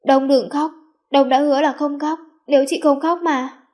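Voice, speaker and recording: A woman voicing a gentle, playful pregnant young woman who coaxes and dotes affectionately. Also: fairly high pitch, fairly even intonation, moderate pace, lightly acted. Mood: coaxing. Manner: coaxing, affectionate.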